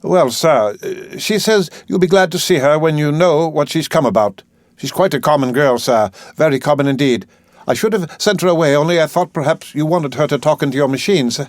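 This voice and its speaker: A man's voice: on the high side, a little fast, dry recording, studio quality, pitched above the performer's own voice, close to an everyday voice. A man voicing a fussy middle-aged woman housekeeper who speaks hesitantly and deferentially. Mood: perplexed.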